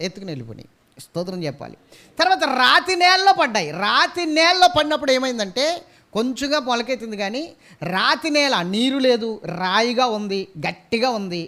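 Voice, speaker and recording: A male pastor with an Andhra Telugu accent preaching a sermon, asking rhetorical questions, repeating key phrases and calling the congregation to praise aloud. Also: high-pitched. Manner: swings between loud and quiet passages.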